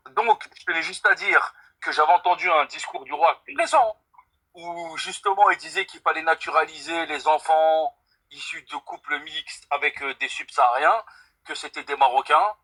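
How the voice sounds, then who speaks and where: A man's voice: a little high, moderate pace, pushed and bright, slightly rough, low-quality recording. A young man from France calling in to a live stream, speaking earnestly and emphatically and swearing by God to stress his points. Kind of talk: casual debate call.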